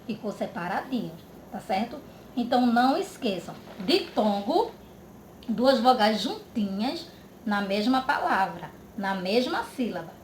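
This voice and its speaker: A woman teacher from Brazil giving a slow grammar lesson for children, drawing out words and checking in often. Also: fairly high pitch, expressive. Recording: echoey room with faint background noise.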